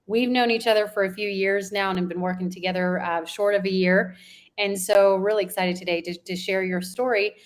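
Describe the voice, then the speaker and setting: A woman's voice: mid-range voice, fairly even intonation, fairly quick. A woman hosting a business interview show, encouraging and enthusiastic with her guest. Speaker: podcast host, interviewer.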